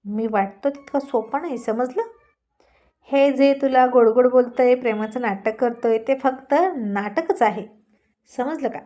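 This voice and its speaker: A blunt, bossy young husband who scolds and teases, as a woman narrator puts him on. The voice sits a little high and pushes slightly louder than the narration. It is a storybook reading. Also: normal speed, natural voice. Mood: stern. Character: stern young husband, teasing and gruff.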